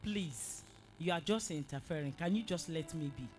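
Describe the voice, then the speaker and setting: A woman's voice: sits low, normal speed, darkish tone, a little hiss or hum, lightly acted. A young woman playing a confident Christian student who scolds and preaches.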